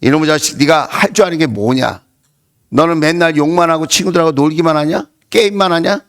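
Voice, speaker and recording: A man voicing an exasperated mother who scolds her mischievous young son with rapid-fire rebukes. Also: on the high side, voice pushed down, natural voice. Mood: scolding.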